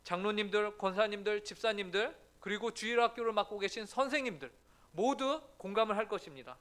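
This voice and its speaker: A man's voice: sits high, animated, a little fast, a bit bright. A man pastor giving an earnest sermon in a church, often putting questions to the congregation.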